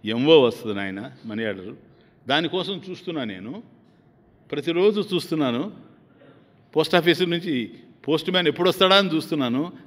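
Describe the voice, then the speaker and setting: A man's voice: on the high side, expressive, brisk, pauses often. A man giving a religious discourse as a swami, telling an emotive story and turning often to his listeners, heard in a long hall reverb. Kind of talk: sermon storytelling.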